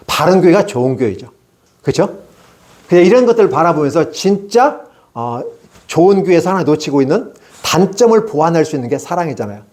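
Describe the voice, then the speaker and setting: A man's voice: a little high, darkish tone. A middle-aged male pastor preaching an evening revival sermon, asking rhetorical questions and acting out people's prayers.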